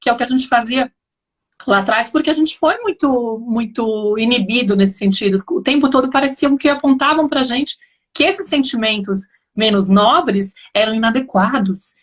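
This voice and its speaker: A woman's voice: a little high, normal speed. A woman host, talking reflectively in a live conversation and often tagging her sentences with questions. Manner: reflective, explaining, frequent "né" tags.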